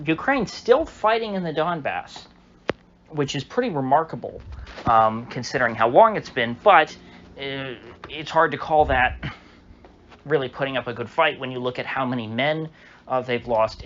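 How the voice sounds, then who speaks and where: Medium-pitched and fairly bright, a man delivers casual solo political commentary. He's rambling and hesitant, restarting often and using lots of fillers, and the recording is dull lo-fi with faint hiss.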